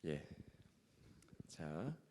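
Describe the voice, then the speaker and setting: Leading a Bible lecture with reading and prayer, this pastor speaks in a rumbling low, mellow voice that is sing-song with drawn-out words. His throat sounds strained and ailing, his manner formal and earnest, and the church hall adds long, echoing reverb.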